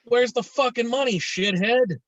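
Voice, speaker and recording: A man's voice: very high voice, moderate pace, a bit bright, no echo. A man playing a threatening, demanding debt-collecting thug in a screenplay table read. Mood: aggressive demanding. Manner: threatening, demanding, foul-mouthed. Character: menacing thug shaking down a debtor. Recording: dull, muffled online-call audio.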